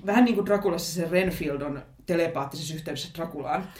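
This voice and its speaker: Woman co-host, playful banter, roomy echoey sound. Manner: playful, animated, jokey pitches. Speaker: podcast co-host. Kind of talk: casual chat. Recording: roomy echo.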